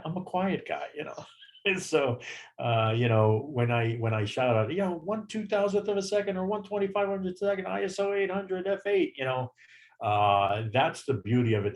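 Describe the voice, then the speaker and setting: A man, a photography guide, chatting casually on a video meeting and explaining camera settings in a self-deprecating way. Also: medium pitch. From Florida.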